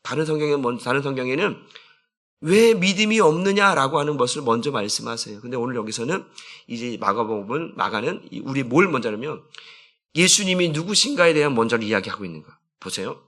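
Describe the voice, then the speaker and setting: Guy pastor giving a sermon, chatty, tosses questions at the crowd, pitch swoops around a lot. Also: lively intonation, fast talker, fairly bright tone. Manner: conversational, asks the congregation questions, acts out quotes. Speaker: senior pastor.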